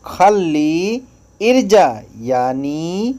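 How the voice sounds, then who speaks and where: A man teaching spoken phrases, saying each one slowly and repeating it before explaining its meaning. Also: sits high, big pitch swings, mellow. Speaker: language teacher. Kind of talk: slow spoken language lesson.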